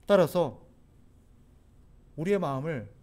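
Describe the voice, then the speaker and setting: High-voiced Korean pastor preaching earnestly. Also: male voice, lively intonation, slow, a little mellow. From South Korea. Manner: earnest preaching, rising to pleading urgency. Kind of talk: sermon.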